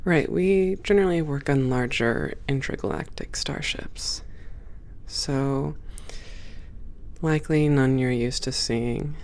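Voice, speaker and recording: A creaky, gravel-edged voice carries this friendly female spaceport supervisor, acted out for an ASMR roleplay. She is composed and professional, talking a new hire through things in a measured, welcoming way. The pitch sits in an ordinary middle range. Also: a little mellow. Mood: reassuring, instructive. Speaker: audio roleplay performer. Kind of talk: ASMR roleplay, one-sided conversation.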